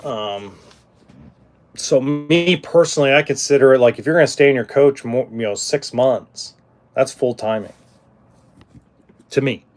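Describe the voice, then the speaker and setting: A man's voice: mid-range voice, unhurried, long pauses. A middle-aged man hosting a casual livestream about RVs, answering viewers in a rambling way, with frequent ums, restarts and blunt cursing. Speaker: RV livestream host.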